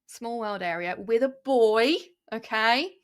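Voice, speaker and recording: A woman, an early years teacher talking casually on a podcast, telling animated stories full of fillers. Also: fairly high pitch, takes it slowly, smooth. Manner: animated storytelling with many fillers. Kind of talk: casual chat.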